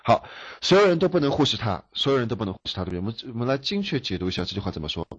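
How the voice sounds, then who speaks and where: A man's voice: medium pitch, sing-song, rapid-fire, breathy edge, highs cut off. A man teaching interpreting, explaining step by step, asking rhetorical questions and stumbling over repeated words. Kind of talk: classroom lecture.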